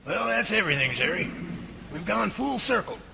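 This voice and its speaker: A man playing a gravelly lab boss. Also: high-pitched, normal speed, exaggerated voice. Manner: steady, explanatory tour guide. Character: Bigfoot lab head giving a tour. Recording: noisy home-made audio drama.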